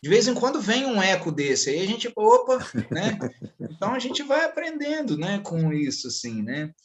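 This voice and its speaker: Blunt man on a video call, high-pitched, profane and animated, casual chat. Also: normal speed. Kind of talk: casual panel conversation.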